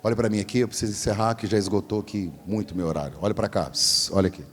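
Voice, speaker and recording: A man in his forties preaching a storytelling sermon as pastor, animated and acting out the voices in his story. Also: on the low side, fast talker, faint music behind. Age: 40s. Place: large church hall. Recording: long hall reverb.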